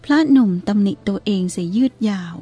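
Warm breathy woman narrating a story. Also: mid-range voice. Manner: calm, measured reading. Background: faint music.

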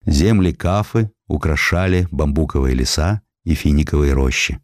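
A man reading a scripted historical narrative in a measured, expressive storytelling way. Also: rumbling low, no echo, clean studio sound. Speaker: audiobook narrator.

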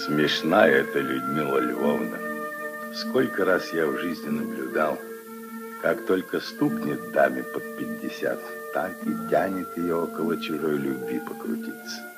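An actor playing an old retired general, a gruff but kindly grandfather figure who reminisces and grumbles wryly, in a 1950s radio play. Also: rumbling low, a little slow, over loud music. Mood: wry grumbling. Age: older. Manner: wry, reminiscing, grumbling storyteller.

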